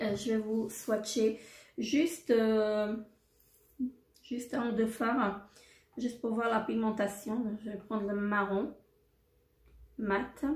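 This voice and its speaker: A woman's voice: mid-range voice, darkish tone, roomy sound. A woman presenting a makeup haul in a casual, hesitant way, with many fillers and repeated words. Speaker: beauty vlogger.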